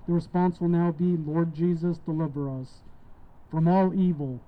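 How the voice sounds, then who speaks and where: A man leading solemn Catholic prayers and litanies in a measured, formal, reverent recitation. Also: fairly high pitch, fairly even intonation, dull audio. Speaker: prayer leader.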